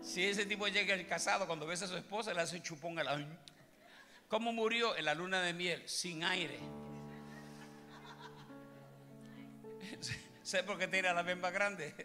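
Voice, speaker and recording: A pastor jokes his way through a sermon and teases his listeners. His voice is high with a gravelly edge. He is heard in a large church hall with long reverb and music under him. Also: takes it slowly, long pauses, pushed and bright. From Puerto Rico. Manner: joking, teasing the congregation. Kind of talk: comic sermon. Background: music playing.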